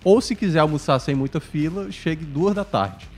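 A man's voice: fairly high pitch, animated, moderate pace. A man from gives casual, conversational sports commentary on a podcast. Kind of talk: casual sports chat and analysis.

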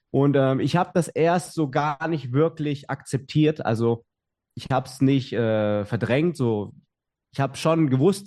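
A man's voice: mid-range voice, darkish tone. A young adult man, a podcast guest, telling his story in casual talk with many fillers and restarts.

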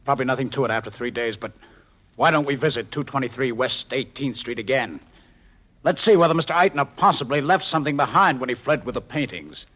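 An actor in a 1950s radio drama playing an inquisitive, level-headed police investigator with an earnest, probing manner. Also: male voice, mid-range voice, lively intonation, a little fast, fairly bright tone, low-quality recording.

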